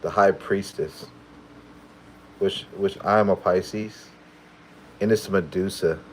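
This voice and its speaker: A man's voice: deep voice, fairly even intonation, slow pace, slight background noise, low-quality recording. A man hosting a casual live stream as a tarot reader, playfully answering viewer questions with frequent chuckles.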